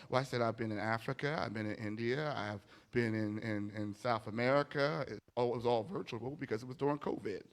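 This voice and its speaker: A man preaching a motivational sermon, emphatic and informal, telling stories and repeating key phrases with dramatic pauses. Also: medium pitch. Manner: informal, anecdotal storytelling. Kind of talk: motivational sermon to a live audience. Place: large indoor hall, speaking from a stage. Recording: echoey hall with long reverb.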